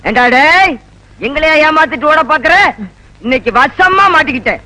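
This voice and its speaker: An actor playing an earnest police officer who thanks someone for catching a thief. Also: male voice, extremely high pitch, pushed and bright, exaggerated voice, low-quality recording. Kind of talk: comic film acting.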